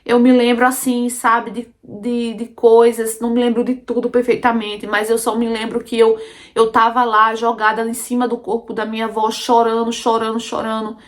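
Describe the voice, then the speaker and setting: A woman's voice: a little high, level tone, normal speed. A Brazilian woman narrating a dramatic first-person story, emotional and intense, often turning to her listeners directly. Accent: Brazilian Portuguese.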